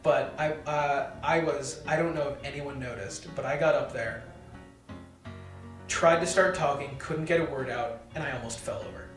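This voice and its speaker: A man's voice: mid-range voice, moderate pace, echoey room, faint music behind. A young man, a college student and podcast guest, telling self-deprecating stories in casual chat. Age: young adult.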